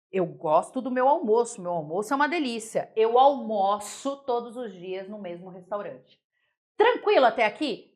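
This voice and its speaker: A young woman with a Brazilian Portuguese accent teaching a casual exam-prep grammar lesson, chatty and animated, often checking that her students follow. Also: mid-range voice.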